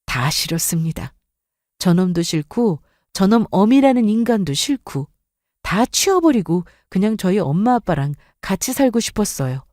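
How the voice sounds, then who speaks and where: A woman's voice: medium pitch, sing-song, moderate pace, a little mellow, dry recording, clean studio sound. A woman in her thirties narrating her own story in first person, aggrieved and emotional.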